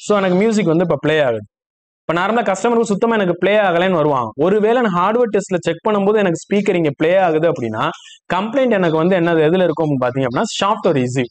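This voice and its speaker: A man with a fairly high voice speaks very quickly as an instructor. He explains things step by step, pausing to check that the listener follows. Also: lively intonation. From India. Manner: explanatory, checks understanding with short questions. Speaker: phone repair instructor. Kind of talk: spoken tutorial, step-by-step explanation.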